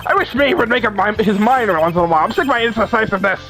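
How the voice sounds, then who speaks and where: A man's voice: high-pitched, animated, very fast, sharp tone, soft background music, pitched above the performer's own voice, exaggerated voice, rough recording. A man voicing a creepy, gleefully unhinged male villain in prison, reading game dialogue aloud in a theatrical, taunting way.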